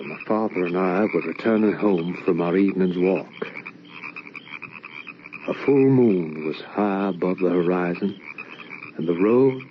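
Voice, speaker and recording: An actor playing a grieving son telling of his haunting, in measured old radio drama style on a dull lo-fi recording. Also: deep voice, a little hiss or hum. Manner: somber, measured storytelling. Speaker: narrator. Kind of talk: 1940s radio acting.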